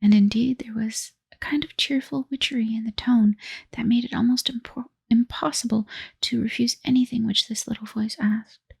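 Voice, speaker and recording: A woman reading a children's myth aloud in a soft, breathy whispered role-play, close to the mic. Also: fairly high pitch, steady tone, no room sound. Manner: slow soft storybook reading. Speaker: ASMR storyteller.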